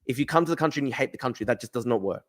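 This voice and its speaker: A man's voice: mid-range voice, lively intonation, very fast. A young man hosting a casual livestream, answering chat bluntly, swearing and repeating himself. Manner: blunt, argumentative, swears freely, repeats phrases. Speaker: livestream host reading chat.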